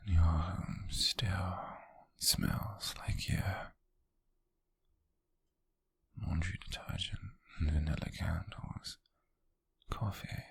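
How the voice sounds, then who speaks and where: A British man playing an obsessive, possessive male stalker in an ASMR roleplay, speaking in a slow, breathy, raspy whisper, teasing and sinister, close to the microphone. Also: low-pitched, steady tone, dry recording, heavily acted. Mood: obsessive, hushed.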